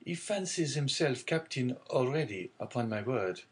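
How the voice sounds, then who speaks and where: A man's voice: medium pitch, animated, normal speed, natural voice. A man voicing a sly, jealous male ship's officer who insinuates. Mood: insinuating.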